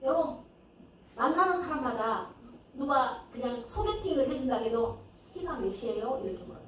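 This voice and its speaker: High-voiced woman preaching in echoey hall. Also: sing-song, normal speed, a bit bright, slight background noise. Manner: conversational preaching with rhetorical questions and acted quotes. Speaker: pastor. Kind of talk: sermon. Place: church sanctuary. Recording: echoey church hall, mic at a distance.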